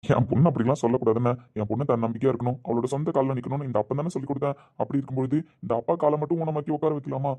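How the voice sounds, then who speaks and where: A man delivering earnest, tender dramatic dialogue. His voice is mellow and dark in tone, and he talks quickly. He sits at a middle pitch for a man. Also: steady tone. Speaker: actor in a family drama.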